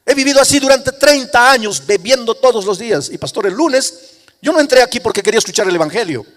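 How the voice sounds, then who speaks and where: A man's voice: mid-range voice, fairly even intonation, moderate pace, pitched below the performer's own voice, close to an everyday voice. A man voicing a repentant middle-aged former drunk, earnestly pleading his confession to the pastor. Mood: impassioned. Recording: long reverb of a large hall.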